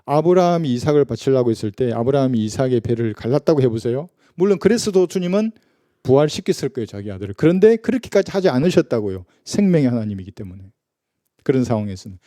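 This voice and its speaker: Mellow-voiced pastor preaching in a dry room. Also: male voice, mid-range voice, big pitch swings, fast talker, dry recording. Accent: Gyeongsang Korean. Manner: conversational preaching, rhetorical questions, acts out quoted voices. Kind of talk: sermon. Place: church.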